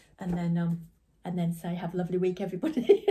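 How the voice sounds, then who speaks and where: A woman talks at a very fast pace in a medium pitch, her tone dark and mellow and somewhat breathy. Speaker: craft podcaster. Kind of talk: casual chat. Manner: halting.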